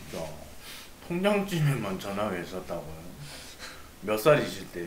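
A man at a moderate pace with long, frequent pauses, audible room echo and light background noise. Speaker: mukbang streamer. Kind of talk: casual chat. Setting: studio. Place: home room.

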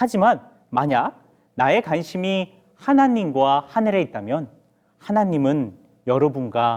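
Lively in intonation, a man talks at a fairly high pitch and a fairly slow pace. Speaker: pastor. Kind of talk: children's sermon. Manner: animated.

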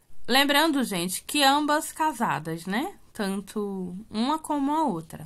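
Lively intonation marks a woman's voice on a very clean recording with a silent background. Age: 40s. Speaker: gossip vlogger. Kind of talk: casual commentary monologue. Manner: animated.

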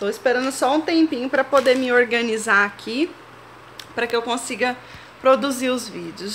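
Light background noise sits behind a woman speaking at a fairly slow pace. Her pitch is high. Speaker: home vlogger. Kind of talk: casual vlog chat. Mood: warm, affectionate, grateful. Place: home room. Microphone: phone near.

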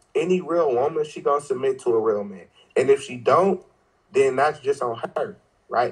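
Over a quiet background, a man talks at a moderate pace with lively intonation and a somewhat breathy voice. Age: 30s. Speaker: interviewee. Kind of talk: casual chat. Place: home room. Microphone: video call.

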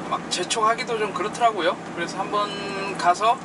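A man speaking at a fairly slow pace over noticeable background noise. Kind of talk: casual vlog chat while driving. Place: car.

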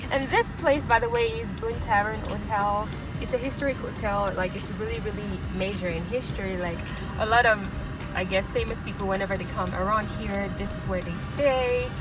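Clear music plays in the background while a woman speaks at a moderate pace. The sound is dry, with no echo. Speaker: college student vlogger. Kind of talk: casual vlog chat. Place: car. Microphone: phone near.

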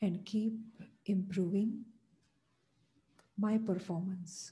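In a very slow, monotone delivery with flat intonation, a woman talks with a dark, mellow tone that is somewhat breathy. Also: medium pitch for a woman. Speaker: meditation guide. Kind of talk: guided meditation. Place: home room. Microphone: studio mic.

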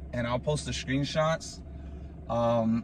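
A man speaks at a fairly slow pace with light background noise. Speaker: vlogger. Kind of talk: casual vlog chat. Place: car. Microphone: phone near.

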